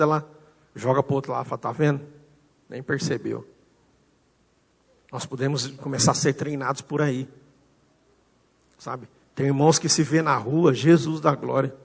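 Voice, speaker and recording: A man with a Brazilian Portuguese accent preaching a sermon, telling a story and acting out the dialogue with swings in loudness. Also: mid-range voice, vocal fry, slightly rough, long reverb tail. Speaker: pastor. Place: church hall.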